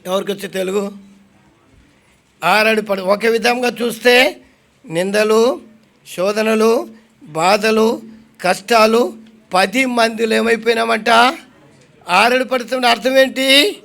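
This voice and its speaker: Male preacher from India, very high pitch with a gravelly rasp, call-and-answer sermon delivery. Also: fairly bright tone. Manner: questions the congregation and answers himself; slows to read scripture aloud.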